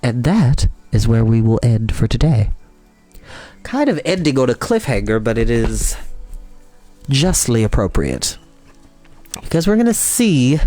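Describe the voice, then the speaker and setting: Children's book reader and host, expressive intonation, explanatory, dry recording. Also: medium pitch, dry recording. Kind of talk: reading a children's book aloud, explaining to kids.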